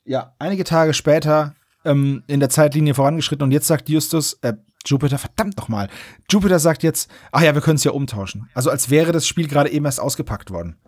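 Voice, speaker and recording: Higher-pitched man, dry close podcast sound. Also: brisk, darkish tone, dry recording. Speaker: podcast host. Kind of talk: casual chat, recapping and commenting on an audio drama.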